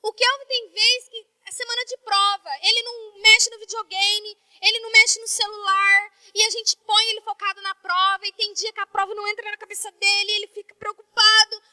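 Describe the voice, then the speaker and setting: A woman's voice: very high voice, flat delivery, a little fast, few pauses, bright, forceful tone. A woman pastor in her thirties from Brazil, preaching a sermon in a conversational, emotional way.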